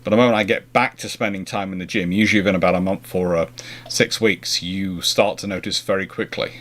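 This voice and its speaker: He's a British host answering naval history questions with a deep, slightly bright voice, fairly even intonation, and a little fast pace. The talk is loose and explanatory, full of rambling and rethinking phrasings on the fly.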